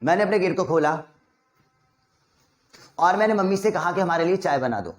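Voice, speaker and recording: A man with an Indian accent teaching a spoken English lesson, mixing Hindi with English and coaxing learners through rapid drills. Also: high voice. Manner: energetic, coaxing drill instructor.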